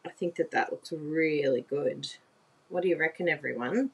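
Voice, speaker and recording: Working at a desk in an indoor craft room, a low-voiced woman chats through a live papercraft demonstration at a moderate pace. She laughs and exclaims often and keeps asking viewers if they agree, with slight background noise audible.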